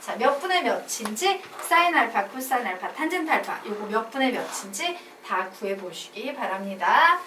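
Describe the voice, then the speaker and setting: Lively, high-voiced woman teaching math. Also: normal speed, few pauses, noisy background. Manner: lively, drills students with call-and-response questions. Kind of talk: classroom lecture. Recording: echoey classroom, mic at a distance.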